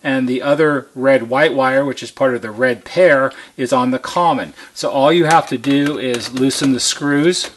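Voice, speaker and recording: A man's voice: mid-range voice, moderate pace, few pauses. A man giving a hands-on how-to demonstration as a repair technician, methodical and step-by-step, stressing key points.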